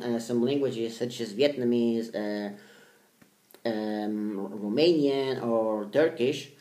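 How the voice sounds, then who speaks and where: A man giving casual advice on language study to viewers in a halting, rambling way, with many restarts and fillers. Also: mid-range voice, warm tone. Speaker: language learning vlogger. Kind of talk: casual spoken advice to camera. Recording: echoey room.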